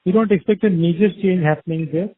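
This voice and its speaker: A man answering as a company finance executive on an earnings call, in measured, hesitant phrases over a conference phone line. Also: sits high.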